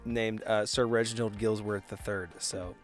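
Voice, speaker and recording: A man's voice: on the low side, steady tone, moderate pace, faint music behind. A man chatting casually as a player in a tabletop game podcast. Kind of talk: casual chat.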